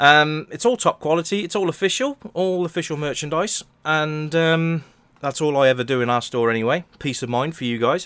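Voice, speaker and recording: The speaker is a man with an English accent. He talks at a moderate pace with lively intonation. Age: 30s. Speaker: podcast host and online retailer. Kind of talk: casual chat.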